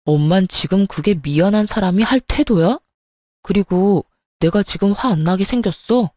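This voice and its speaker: A woman's voice: medium pitch, normal speed, dark tone, no room sound, studio quality, natural voice. A woman voicing an angry middle-aged husband who confronts his family in a storybook drama. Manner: demanding, confronting.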